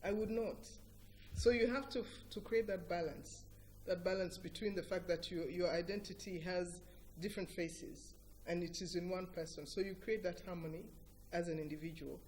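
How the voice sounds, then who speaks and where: A middle-aged woman with a Ugandan accent, speaking as an interview guest in an earnest, emphatic and deliberate explanatory way. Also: lowish voice, fairly even intonation, darkish tone, a little hiss or hum. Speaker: interview guest, cultural organisation director. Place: TV breakfast show interview.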